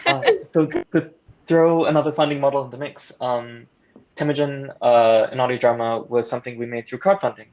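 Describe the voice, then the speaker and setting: A slightly muffled, lo-fi recording of a man with a mid-pitched voice. He talks in an articulate, wordy way, stressing key phrases as he explains things on a casual panel. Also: steady tone, fairly quick, darkish tone. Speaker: audio drama producer on a panel.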